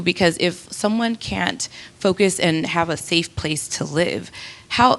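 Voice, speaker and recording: A woman with a low voice gives her remarks at a community panel. She talks earnestly and works through her points with frequent fillers and self-corrections.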